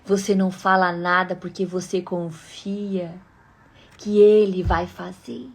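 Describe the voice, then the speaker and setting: A woman preaching an earnest devotional sermon to wives, emphatic and sometimes dropping to a hushed tone. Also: lowish voice, steady tone, slow pace, gravelly.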